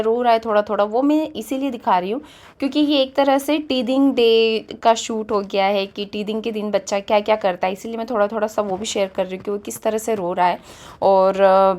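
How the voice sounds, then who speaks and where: A woman's voice: mid-range voice, a little mellow. Mother narrating a baby-routine vlog voice-over. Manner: explanatory, matter-of-fact, conversational. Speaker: parenting vlogger and mother.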